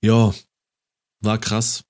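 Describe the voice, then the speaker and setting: A man with a very low, deep voice chats casually about football. He retells the game with enthusiasm and grows animated at the highlights. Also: very slow. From Germany.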